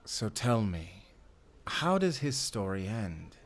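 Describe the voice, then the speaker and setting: A man playing a suave, menacing fantasy villain in an audio drama, speaking with theatrical, deliberate politeness and command. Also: lowish voice, big pitch swings, full character voice. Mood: cold, insistent. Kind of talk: audio roleplay acting.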